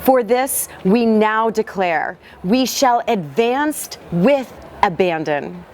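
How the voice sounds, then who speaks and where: Female reader, unhurried manifesto delivery, faint background noise. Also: mid-range voice, lively intonation, a little mellow. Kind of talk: motivational manifesto reading.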